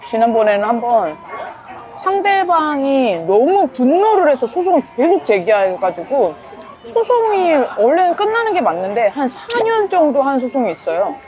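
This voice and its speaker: A woman's voice: sits high, big pitch swings, moderate pace. A woman who is an inheritance lawyer, talking casually to camera and briefly acting out the people she quotes. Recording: background music under the voice.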